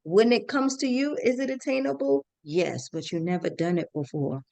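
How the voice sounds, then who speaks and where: A woman's voice: a little high, steady tone, normal speed, vocal fry, darkish tone, no room sound. An American woman hosting a conversational, motivational podcast, emphatic and fond of repeating phrases. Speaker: podcast host. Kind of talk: conversational interview, motivational talk.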